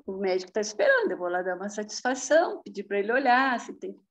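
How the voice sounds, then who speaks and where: A woman's voice: medium pitch, big pitch swings, fast. A woman tells a testimonial story in a chatty way, laughing often and adding tag questions, over a video call. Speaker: therapy practitioner giving a testimonial.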